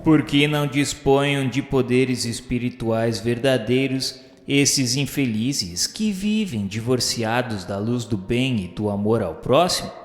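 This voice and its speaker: A man's voice: mid-range voice, measured pace, few pauses. A man narrating a radio drama in a solemn, dramatic way. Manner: solemn, dramatic, rising in emphasis. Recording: reverberant hall sound with faint music.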